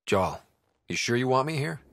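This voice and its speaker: An actor playing a loyal, easygoing young human space explorer in a video game, plainspoken and supportive. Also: male voice, medium pitch, very animated, moderate pace, gravelly, a bit bright, a little hiss or hum. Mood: sincere. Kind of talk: cinematic video game acting.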